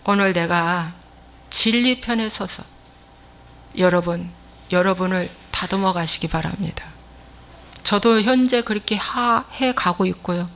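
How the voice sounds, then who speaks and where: A woman's voice: mid-range voice, unhurried, pauses often, a bit bright. A woman pastor delivering a sermon, emphatic and scolding, acting out little quoted exchanges as she preaches.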